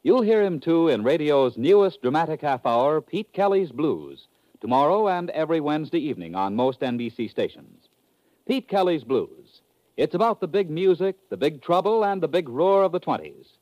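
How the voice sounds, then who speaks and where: Male American 1950s radio announcer, polished and dramatic, highish animated voice, dry studio sound. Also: normal speed, dry recording, muffled recording. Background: music.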